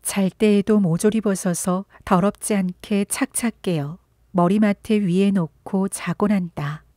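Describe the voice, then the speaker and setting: A woman narrating a literary audiobook in a gentle, unhurried storytelling voice that sometimes drops into a whisper. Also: mid-range voice, fairly even intonation, no echo, clean studio sound. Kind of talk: soft literary audiobook reading.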